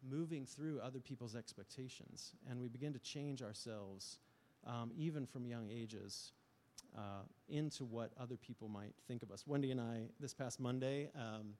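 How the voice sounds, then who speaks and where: A man's voice: mid-range voice, slight background noise. Middle-aged guy preaching at church, chatty storytelling with lots of uhs and ums. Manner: storytelling, animated with frequent fillers. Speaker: pastor. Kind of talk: conversational sermon.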